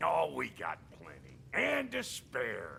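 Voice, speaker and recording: Over clear background noise, a man puts on a raspy, gruff character voice and speaks at a very slow pace. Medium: video game. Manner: gruff, brash, slangy.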